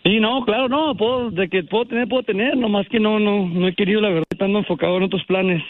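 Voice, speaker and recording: A man's voice: high-pitched, fast talker, no echo. A man in his twenties calling in to a radio show, answering questions politely and hesitantly with many fillers. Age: 20s. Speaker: radio caller. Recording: dull phone line.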